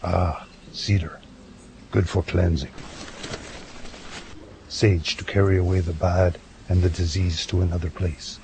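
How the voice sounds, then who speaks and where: Guy acting as a wise old-style medicine man, real low voice, ceremonial and riddly, audio drama with noise behind. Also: little pitch movement, creaky. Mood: solemn. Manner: measured, ceremonial, speaks in riddles.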